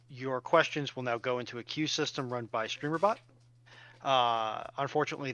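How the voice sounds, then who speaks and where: A man explaining technical updates as a stream moderator over a voice call, in measured, formal wording. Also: medium pitch, sharp tone. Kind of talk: explanatory announcement. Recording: dull lo-fi voice-call audio.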